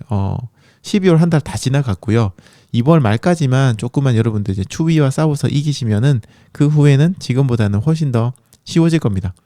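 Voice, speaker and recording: A man's voice: medium pitch, mellow, dry recording, studio quality. A man hosting a running podcast in a chatty, encouraging monologue, with a sore throat from a coming cold. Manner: encouraging, chatty, many fillers.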